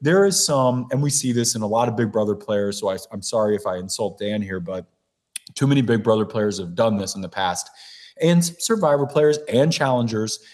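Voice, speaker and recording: Blunt, animated man chatting as a guest. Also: on the low side, brisk. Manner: blunt and animated, mimics other people's voices. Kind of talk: casual podcast chat.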